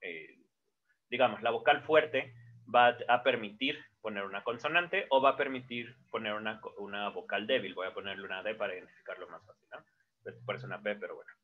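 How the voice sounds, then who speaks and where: A man's voice: on the low side, a little fast. A man, teaching a casual lesson at a board and explaining step by step with fillers and self-corrections. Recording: dull lo-fi sound.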